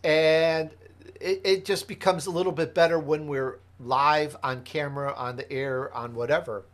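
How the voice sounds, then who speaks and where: Chicago guy, podcast host getting interviewed, earnest and emphatic, kinda high voice. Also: steady tone, normal speed, a bit bright. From Chicago, United States. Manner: earnest, emphatic, builds points through lists. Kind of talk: conversational interview answers.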